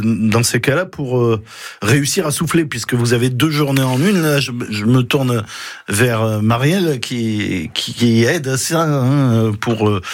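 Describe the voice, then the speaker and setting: A man's voice: mid-range voice, no room sound. Conversational man radio host, dry sound. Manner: conversational, frequent backchannels. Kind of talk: radio interview.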